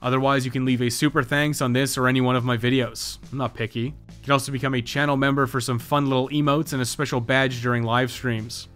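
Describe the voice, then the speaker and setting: A man's voice: mid-range voice, level tone, quick pace, a bit bright, clean tone. A man narrating a scripted video game guide in a matter-of-fact way, with dry, wry asides. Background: background music.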